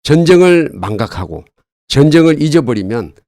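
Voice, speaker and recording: Older man explaining earnestly, lively pitch. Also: normal speed, no echo, clean studio sound. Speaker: guest, retired army colonel and military history author. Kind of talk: explanatory talk in an interview.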